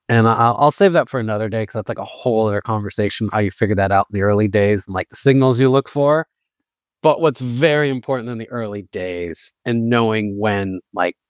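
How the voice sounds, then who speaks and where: Male sales exec, interview guest. Average pitch, conversational and emphatic, informal phrasing, very dry recording. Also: no echo. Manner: informal, emphatic, often quotes imagined dialogue. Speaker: startup sales executive being interviewed. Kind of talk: casual conversational interview answers.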